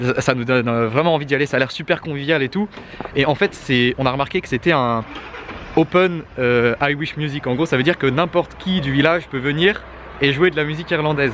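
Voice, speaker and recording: Fairly high pitch from a man with ordinary pitch variation over noticeable background noise. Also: fairly quick pace. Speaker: travel vlogger. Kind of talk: casual vlog talk to camera. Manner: soft-spoken.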